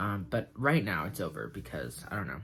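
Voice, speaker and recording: A man talks at a fairly quick pace with vocal fry. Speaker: movie reviewer. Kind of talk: casual movie review chat. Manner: rambling filler-heavy, casual; fast.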